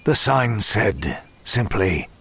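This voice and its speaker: An actor playing a weary, tormented man who narrates his ordeal in a horror audio drama, grave and deliberate with halting pauses. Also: on the low side, sing-song, vocal fry, fairly bright tone, a little hiss or hum, full character voice. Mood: grim, weary.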